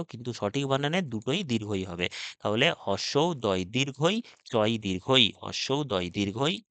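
Guy teaching spelling, sounds out each letter and says the word again, dry close sound, mid pitch. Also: a bit bright, no room sound. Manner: spells words out letter by letter, repeating them. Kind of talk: spelling lesson for exam students.

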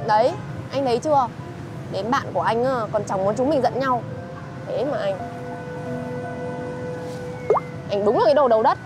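A woman's voice: a little high, fairly quick, music in the background, close to an everyday voice, rough recording. An actress with a Northern Vietnamese accent playing an exasperated, reproachful young girlfriend in a TV drama. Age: 20s. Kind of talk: screen drama dialogue.

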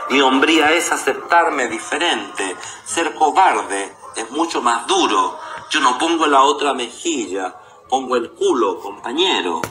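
A Chilean man acting a defiant, proud ageing gay poet, declaiming deliberately in a radio play monologue. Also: mid-range voice, expressive, pushed and bright. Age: older. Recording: roomy echo with music behind.

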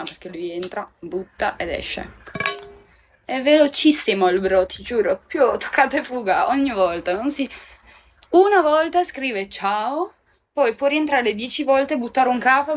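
A woman's voice: a little high, lively intonation, normal speed, a little hiss or hum. A young woman, chatting casually with viewers on a phone livestream from home, swearing and laughing often. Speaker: livestream host. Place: at home indoors.

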